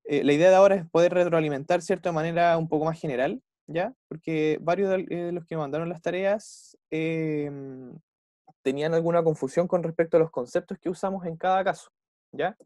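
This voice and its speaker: A man's voice: fairly high pitch, fairly quick, darkish tone, no echo, clean studio sound. A young man with a Chilean accent teaching an online English class, explaining step by step and checking in with the students after almost every phrase. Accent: Chilean Spanish.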